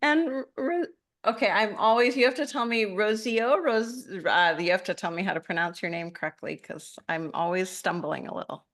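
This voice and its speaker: A woman from Argentina, a meditation teacher, chatting casually and gently with participants in a live session, rambling a little and laughing often. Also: mid-range voice, normal speed.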